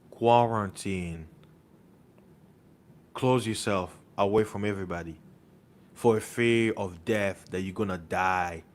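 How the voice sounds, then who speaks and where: Man, low-ish voice, slow and insistent online preacher, heavy on rhetorical questions and repetition. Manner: insistent, rhetorical questions, repeats words for emphasis. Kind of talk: impassioned monologue.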